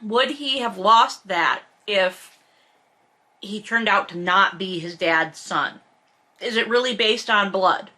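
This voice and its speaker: A woman with a bright, forceful voice and a medium pitch hosts a read-along. She mixes reading aloud with casual commentary that is blunt, profane and emphatic. Her delivery is openly sarcastic and exasperated. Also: takes it slowly. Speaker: host of a book read-along.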